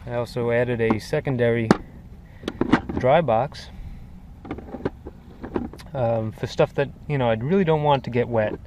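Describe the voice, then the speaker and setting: A man's voice: medium pitch, measured pace, pauses often, muffled recording. A man casually showing off his kayak gear, rambling with plenty of fillers, recorded outdoors on the water with an action camera. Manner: relaxed, rambling, frequent "uh" fillers. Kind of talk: casual show-and-tell narration. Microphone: action camera mounted on the kayak. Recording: noisy outdoor camera audio with wind and water.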